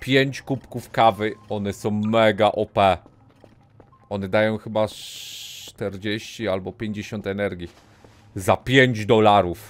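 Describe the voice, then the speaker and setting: The speaker goes at a very slow pace with monotone, flat intonation. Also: man, fairly low pitch for a man. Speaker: game streamer. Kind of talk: gameplay commentary. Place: home room. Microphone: studio mic.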